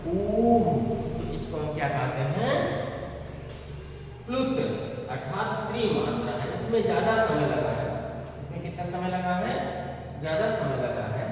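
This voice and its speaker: A male Sanskrit teacher giving a classroom grammar lecture, speaking slowly, repeating terms and asking his students rhetorical questions. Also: a little high, slight background noise. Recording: echoey hall, distant mic.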